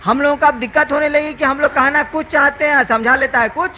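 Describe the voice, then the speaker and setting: Bright-voiced older man giving a spiritual talk. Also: very high-pitched, steady tone, brisk, slight background noise, rough recording. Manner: conversational storytelling, earnest and emphatic. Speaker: spiritual teacher. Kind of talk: spiritual discourse.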